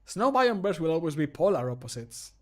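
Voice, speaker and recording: A man's voice: on the high side, big pitch swings, fairly quick. A man voicing a cocky, punning older adventurer for video game lines, with a jokey, lightly taunting delivery. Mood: dry, punning. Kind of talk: game voice line takes.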